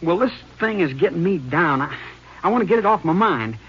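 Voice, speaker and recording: An actor playing a nervous young small-town American man in a 1950s radio drama, halting and uneasy. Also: sits high, lively intonation, a bit bright. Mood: anxious confessing. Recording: muffled, slightly noisy old radio recording.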